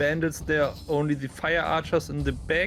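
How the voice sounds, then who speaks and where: A man with a slight German accent speaks at a fairly high pitch with fairly even intonation. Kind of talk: live commentary.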